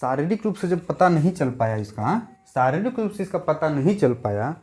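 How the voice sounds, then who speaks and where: A man's voice: a little high, sing-song, moderate pace, darkish tone. A young adult male teacher giving an exam-prep lecture, repeating key words and putting rhetorical questions to his students.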